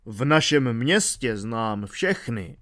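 A man voicing a suspicious middle-aged shepherd in an audiobook, asking slow, doubtful questions. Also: medium pitch, animated, a bit bright, close to an everyday voice. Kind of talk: audiobook reading.

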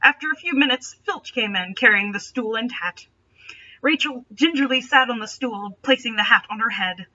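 A woman's voice: fairly high pitch, normal speed, pushed and bright, dull audio, slight background noise. A young adult woman reading a story aloud with dramatic delivery and sarcastic, mocking asides. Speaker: host reading fan fiction aloud. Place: small bedroom, indoors.

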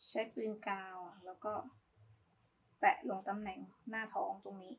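A woman's voice: mid-range voice, little pitch movement, normal speed, creaky, slight background noise. A woman giving a casual, polite step-by-step craft tutorial, talking as she demonstrates. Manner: informal, polite, talks while demonstrating.

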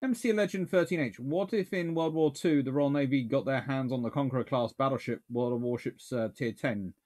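Medium in pitch with a darkish tone, his speech runs a little fast. This naval historian is doing a casual live Q&A from a small book-filled study, rambling through answers and amending them as he thinks aloud.

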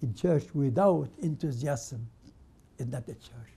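An older man whose first language is Arabic, presenting a religious program as a patriarch and giving a sermon in short, emphatic phrases with many pauses. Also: medium pitch, gravelly, dark tone, breathy edge. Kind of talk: slow spoken sermon.

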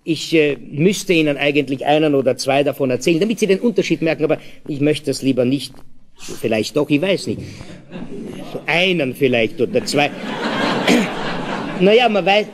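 A man tells jokes in a live cabaret. He is chatty and breaks off into hesitant asides. His voice sits a little high. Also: normal speed, pauses often. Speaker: comedian. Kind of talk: live cabaret joke telling.

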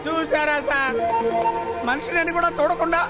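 An actor playing a cringing, scheming comic servant who whines, pleads and wisecracks. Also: male voice, very high voice, flat delivery, normal speed, over loud music. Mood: wheedling. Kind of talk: comedic Telugu film dialogue. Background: film score.

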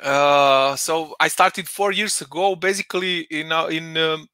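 Bright, dry-voiced middle-aged man. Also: fairly high pitch, steady tone, clean tone, no room sound. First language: Serbian. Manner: measured, hesitant, lots of filler pauses. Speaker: interview guest, data professional. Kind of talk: casual video-call interview. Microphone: headset on a video call.

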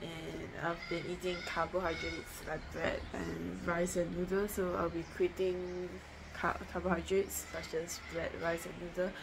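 A young woman talking straight into a phone held close at home, her voice sitting a little low. She wanders through her points in a plain, matter-of-fact way, full of fillers and restarts. There is a steady hiss of background noise under the voice. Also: a little slow, creaky, few pauses. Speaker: vlogger. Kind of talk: casual diet vlog to camera. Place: home, indoors. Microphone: phone held close at arm's length. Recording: noisy home phone recording.

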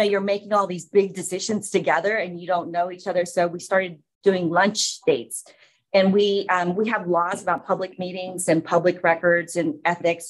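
A woman's voice: medium pitch, poor audio. Woman, meeting facilitator, informal, lots of ums, explaining to a group. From Philippines. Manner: informal, many fillers, friendly explaining. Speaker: city staff meeting facilitator. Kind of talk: facilitating a public commission meeting.

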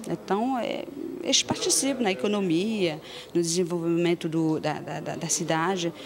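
A woman's voice: lowish voice, moderate pace, noisy background. A woman deputy mayor giving an interview indoors, talking conversationally with fillers. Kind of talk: interview soundbite.

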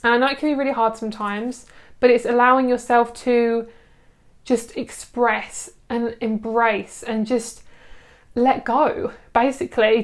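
Speaking to camera with a fairly high pitch, a young adult woman offers a soothing, chatty tarot reading. She fills her talk with fillers and gushes about the cards.

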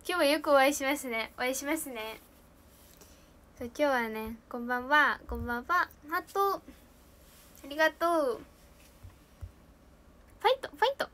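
A bubbly teenage girl with a lilt, chatting on a live stream and reading out viewer comments. Her voice sits very high, and she giggles often between lines. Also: pushed and bright. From Japan. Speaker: idol trainee streamer. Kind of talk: casual live stream chat.

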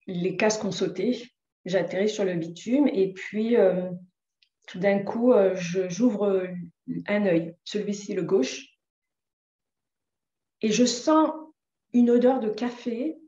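A woman's voice: medium pitch, mellow, roomy sound, highs cut off. Hesitant French woman recounting a story. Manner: hesitant, many fillers and restarts. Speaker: interviewee sharing a personal story. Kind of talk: personal testimony.

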